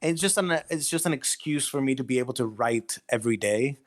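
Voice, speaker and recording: A man from Greece speaks as a guest writer in a relaxed interview. His middle-pitched voice comes with a hesitant, self-deprecating manner. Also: brisk. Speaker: guest writer of audio horror stories. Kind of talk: casual interview chat.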